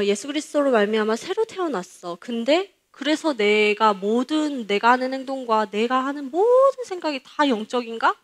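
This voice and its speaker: A young woman junior pastor preaching a personal testimony in a candid storytelling way, acting out the voices she quotes. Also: fairly high pitch. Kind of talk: testimony sermon.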